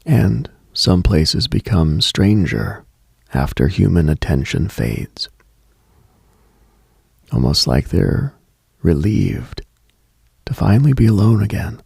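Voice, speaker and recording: A man delivers a brooding late-night radio monologue in a hushed, contemplative way. His voice is low and heavily gravelled, with a close, dry sound. He reads like a mystical broadcast host speaking into the small hours. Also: big pitch swings, takes it slowly, long pauses, no room sound.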